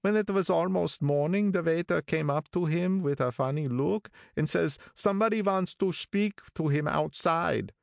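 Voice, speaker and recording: A man voicing a gloomy, sentimental older gangster who talks in a slow, brooding, drawn-out way. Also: fairly high pitch, vocal fry, no room sound, studio quality, voice pushed up.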